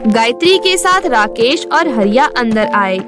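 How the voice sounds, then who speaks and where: A woman's voice: on the high side, lively intonation, unhurried. A woman narrator reading a scripted story. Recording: music behind the voice.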